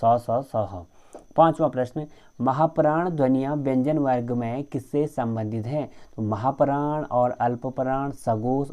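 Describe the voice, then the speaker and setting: A man's voice: medium pitch, dark tone. A man teaching an exam-prep grammar lecture, explaining step by step and often addressing viewers as friends.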